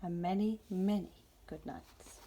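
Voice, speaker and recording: A woman voicing an inviting big black cat in a storybook, breathy and hushed. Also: on the low side, takes it slowly, noisy background. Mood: gentle, mysterious.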